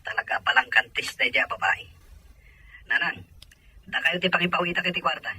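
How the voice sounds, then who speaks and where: An earnest soldier son with a Filipino accent played by a man, calling home in an audio drama. His voice is husky yet very sharp and dry, through a telephone effect. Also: fairly high pitch, fairly quick, no room sound, exaggerated voice, low-quality recording. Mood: pressing. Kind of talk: Ilocano audio drama acting.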